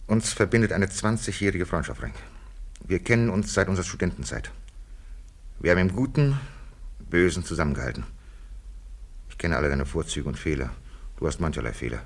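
An actor playing a stern police captain who speaks in a grave, measured, insistent way, in an old film drama. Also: male voice, low voice, sing-song, breathy edge, exaggerated voice. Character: stern male police captain confronting a friend.

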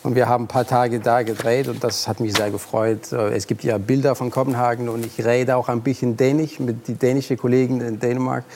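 A Danish-accented man, speaking German as a second language, talks slowly and haltingly with plenty of "äh" as he searches for words. His voice is gravelly with a rough edge, at an ordinary male pitch. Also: level tone, a little mellow, a little hiss or hum. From Denmark. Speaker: actor guest. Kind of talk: talk show interview.

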